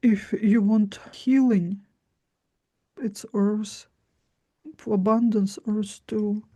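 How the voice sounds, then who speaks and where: A woman's voice: mid-range voice, fairly even intonation, slow pace, mellow. A woman giving informal spiritual instruction in short, simple phrases. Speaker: spiritual teacher.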